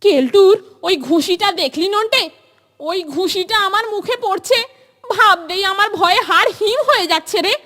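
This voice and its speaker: Squeaky, timid little schoolboy. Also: female voice, moderate pace, sharp tone. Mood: worried. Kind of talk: cartoon voice acting.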